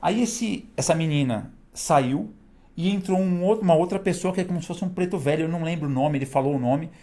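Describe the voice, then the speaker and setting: A man, a guest telling stories in a casual, animated way and laughing between them. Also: fairly high pitch, brisk. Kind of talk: casual storytelling.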